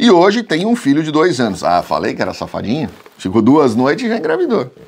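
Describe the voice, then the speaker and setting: Against a quiet background, a man's fairly high voice makes very wide pitch swings. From Brazil. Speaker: immigration lawyer and YouTuber; immigration lawyer, YouTuber. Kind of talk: casual reading and mocking of hater comments. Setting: home studio. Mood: ironic, slightly annoyed. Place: office. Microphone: lapel.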